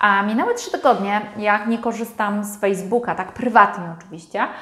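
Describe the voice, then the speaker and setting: Very fast pace, fairly even intonation, and audible room echo. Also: woman. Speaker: dietitian vlogger. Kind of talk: casual vlog chat. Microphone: lapel.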